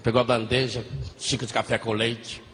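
A man preaching a sermon, telling a funny story in an animated, playful way and acting out the characters. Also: mid-range voice, brisk. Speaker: pastor. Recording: echoey hall, faint background noise.

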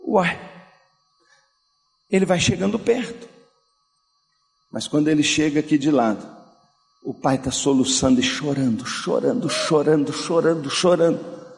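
High-voiced preacher in a reverberant hall. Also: male voice. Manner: preaching with dramatic swings between loud and soft. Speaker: pastor. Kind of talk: sermon.

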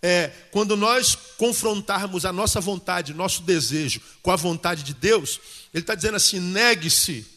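A pastor delivers a sermon at a moderate pace in a lively, colloquial style, repeatedly putting questions to the congregation. His high voice is bright and forceful, and the church hall leaves a long reverb trailing after him.

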